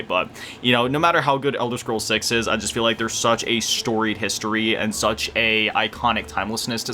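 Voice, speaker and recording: A young man chatting casually about his video game collection, rambling with quick self-deprecating asides. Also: on the low side, pushed and bright, a little hiss or hum. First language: English. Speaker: gaming YouTuber.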